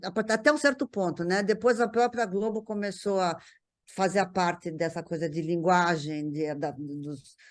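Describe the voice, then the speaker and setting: A woman's voice: lowish voice, fairly even intonation, normal speed. A middle-aged Brazilian woman recalling memories in casual conversation, often repeating words as she searches for phrasing. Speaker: guest recalling a writer relative.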